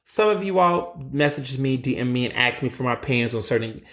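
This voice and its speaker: A man's voice: mid-range voice, brisk. A man in his twenties hosting a solo opinion podcast, blunt and sassy, often restarting his sentences, tired after a long late night. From United States. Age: 20s. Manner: animated, sassy and blunt, with frequent restarts and stammers. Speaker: podcast host.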